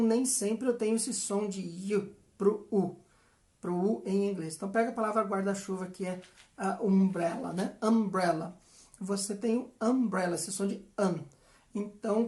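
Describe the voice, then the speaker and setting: A woman with a Brazilian Portuguese accent, an English teacher explaining grammar patiently and repeating example sentences slowly. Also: mid-range voice, a little mellow. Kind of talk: explanatory language lesson.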